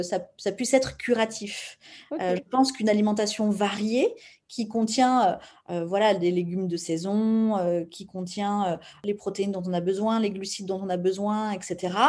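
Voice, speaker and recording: A woman's medium-pitched voice, dark and mellow in tone, at a moderate pace with fairly even intonation, on a very clean recording with a silent background. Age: 30s. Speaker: naturopath and yoga teacher. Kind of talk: interview conversation.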